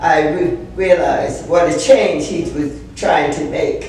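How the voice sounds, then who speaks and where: Faint music plays in the background as a woman speaks with audible room echo. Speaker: church elder interviewee. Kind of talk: interview answer. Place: church.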